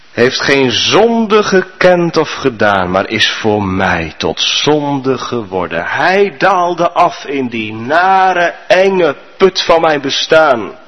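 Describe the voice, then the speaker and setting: A man's voice: mid-range voice, big pitch swings, slow, a bit bright, highs cut off. A male preacher delivering a storytelling sermon to his congregation in a church. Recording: reverberant church hall.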